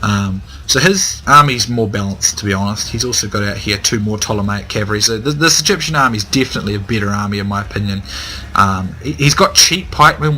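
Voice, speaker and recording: A young man casually commenting on a strategy game battle, hesitant with many ums, his throat a little dry and hoarse. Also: on the low side, bright, forceful tone, low-quality recording. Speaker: gaming commentator.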